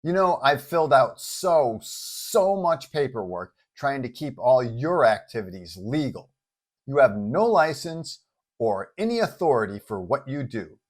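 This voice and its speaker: Man acting blunt, forceful female police chief. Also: medium pitch, big pitch swings, a little slow. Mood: exasperated. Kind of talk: superhero story character voice.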